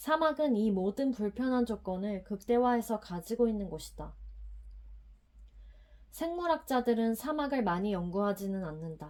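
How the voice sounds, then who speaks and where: This woman's voice sits fairly high, with lively intonation and a calm tone. She talks at a fairly slow pace, leaving long, frequent pauses. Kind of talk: audiobook reading. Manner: soft, calm.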